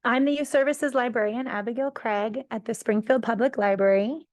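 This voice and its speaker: Muffled masked woman, librarian presenting in council chambers; informal, corrects herself, somewhat high, close and dry. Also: normal speed, a little mellow, no room sound. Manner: informal, self-correcting with small laughs. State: muffled, speaking through a face mask. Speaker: youth services librarian. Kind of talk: presenting at a city council meeting.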